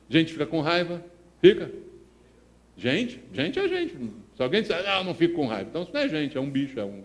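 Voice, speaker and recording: A man preaching a Sunday sermon in church, emphatic and rhythmic, asking the congregation questions and repeating phrases for effect. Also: mid-range voice. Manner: emphatic, swings from loud declarations to quiet asides, addresses the congregation. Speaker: pastor.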